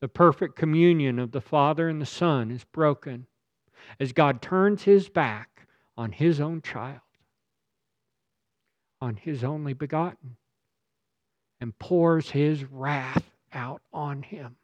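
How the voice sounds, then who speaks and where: A male preacher delivers a sermon in a slow, deliberate way, with a slightly high voice for a man. His delivery is dramatic and emphatic, and he presses his points with rhetorical questions. The recording sounds dull and lo-fi, with a dry, close sound. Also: no echo.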